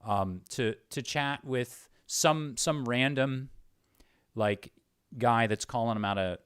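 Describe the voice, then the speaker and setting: A man's voice: mid-range voice, slow pace, fairly bright tone, smooth, dry recording, studio quality. A man with a North American accent hosting a casual interview, rambling informally and hedging as he frames his thoughts. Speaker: interviewer, host.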